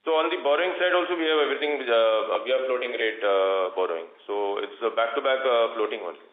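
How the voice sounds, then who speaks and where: A man with an Indian accent answering questions as a company executive on an earnings call, with halting phrasing. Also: medium pitch. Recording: roomy, muffled conference call line.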